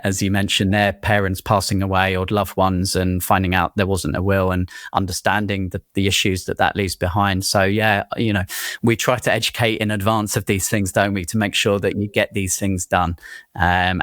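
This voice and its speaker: A man hosts an interview podcast in a fairly low voice, speaking steadily as he leads the conversation with his questions. The recording is dry, with no room sound. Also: a bit bright, no room sound. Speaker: podcast host.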